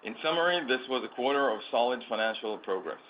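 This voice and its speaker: A man's voice: medium pitch, lively intonation, quick pace. A man in the role of a finance executive reads prepared remarks formally on an earnings call. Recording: dull conference call, clear background noise.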